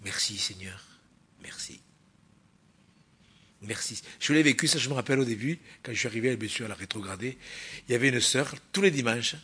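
Male preacher, husky voice, sermon, emphatic, loud stresses and hushed asides, rhetorical questions. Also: medium pitch, racing.

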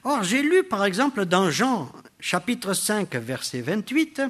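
An older man preaching a sermon, addressing the congregation with rhetorical questions, swinging between loud exclamations and quiet asides. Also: sits high, huge pitch swings, takes it slowly.

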